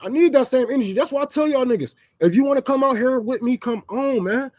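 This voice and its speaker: A man's voice: very high-pitched, quick pace, darkish tone, no room sound. A man on a livestream, ranting heatedly and with profanity, repeating lines for emphasis. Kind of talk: livestream rant. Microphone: microphone.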